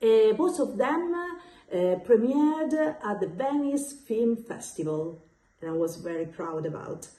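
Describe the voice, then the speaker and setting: A woman speaks at a fairly slow pace with an Italian accent. The room has an audible echo. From Italy, Pesaro. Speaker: screenwriter. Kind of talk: self-introduction. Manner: halting.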